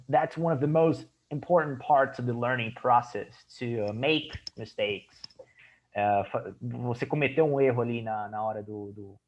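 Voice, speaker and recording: Hesitant man on a dull-sounding mic. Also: medium pitch. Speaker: podcast co-host, English teacher. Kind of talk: casual podcast discussion.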